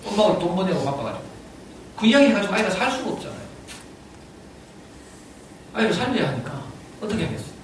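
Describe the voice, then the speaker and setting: A middle-aged man with a Gyeongsang accent tells a personal story to an audience, animated and laughing often as he talks. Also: sits high. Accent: Gyeongsang (Daegu). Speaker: parent speaking at a parenting lecture. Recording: echoey hall, distant mic, audible room noise.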